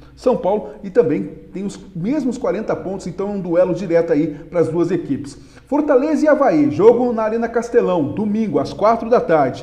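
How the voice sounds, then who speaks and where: With noticeable background noise and audible room echo, a man talks in an animated tone at a high pitch and moderate pace, his pitch swinging very widely. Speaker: sports reporter. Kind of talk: sports news segment.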